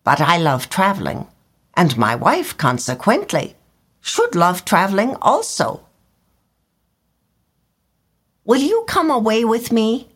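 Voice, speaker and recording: A woman's voice: medium pitch, huge pitch swings, unhurried, breathy edge, pitched above the performer's own voice, exaggerated voice. A woman voicing a vain, fussy little male swallow in a storybook reading, talking in a chirpy, self-important way. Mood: complaining. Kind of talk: storybook character voice.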